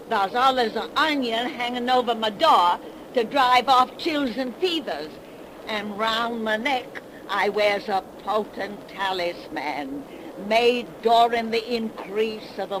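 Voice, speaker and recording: A crone over a hundred years old cackles and drawls in a high, creaky-old voice. She takes her time over every word, folksy and sly. The old broadcast is buried under steady hiss. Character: ancient cackling female witch, 110 years old. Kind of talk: 1930s radio drama acting. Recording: hissy 1930s radio broadcast recording.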